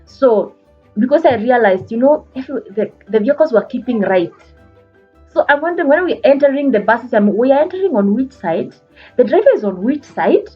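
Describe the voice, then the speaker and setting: Kenyan female life coach, husky, earnest, repeats herself, lo-fi recording. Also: on the high side, animated, moderate pace, faint music behind. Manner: earnest, repeats phrases for emphasis, frequent fillers. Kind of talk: motivational talk.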